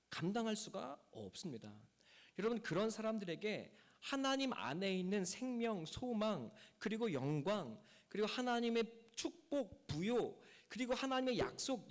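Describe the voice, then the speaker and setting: A man's voice: sits high, big-room sound. A man preaching a Sunday sermon as the pastor of a church, with emphatic delivery. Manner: emphatic preaching, voice rising and falling sharply. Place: church sanctuary.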